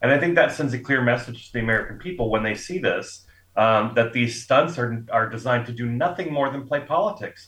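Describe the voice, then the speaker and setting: Using an ordinary speaking voice, a man talks at a fairly quick pace with a medium pitch and ordinary pitch variation. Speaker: political commentator. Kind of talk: casual political talk.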